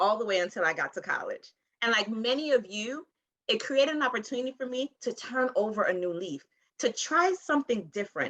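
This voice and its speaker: A woman speaks in an animated way, her pitch swinging very widely. Her tone is bright and sharp, at a moderate pace. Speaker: public speaking coach. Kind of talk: interview.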